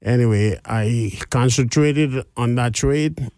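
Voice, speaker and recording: A man in his sixties with a Guyanese accent, a guest on a talk show, speaking with hesitant pauses and restarts. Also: mid-range voice, a little mellow, no room sound, clean studio sound. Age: 60s. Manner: hesitant, many fillers and restarts. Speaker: guest business owner. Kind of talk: interview.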